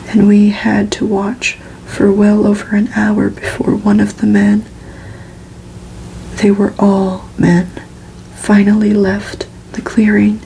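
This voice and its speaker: A woman softly reading a novel aloud in a breathy, unvoiced ASMR whisper. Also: medium pitch, slight background noise, poor audio. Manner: slow, soft, unhurried delivery. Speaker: ASMR reader.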